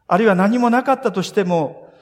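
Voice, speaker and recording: A man preaching a sermon as pastor, earnest and expressive, building emphasis as he speaks. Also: high voice, fairly quick. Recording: long reverb of a large hall.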